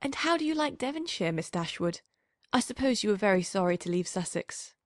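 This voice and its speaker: A woman's voice: on the high side, big pitch swings, pitched above the performer's own voice. A woman voicing a gushing, over-eager young woman. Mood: prying. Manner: effusive, rushing, over-eager. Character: gushing, vulgar young woman, the elder sister. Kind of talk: audiobook reading.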